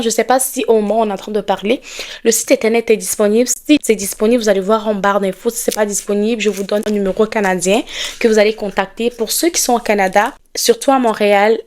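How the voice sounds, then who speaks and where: A young woman talks casually straight to her viewers. She is chatty and keeps checking in with a quick "ok?". Her voice sits at an ordinary middle pitch. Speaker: vlogger promoting her products. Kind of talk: casual direct-to-camera vlog talk.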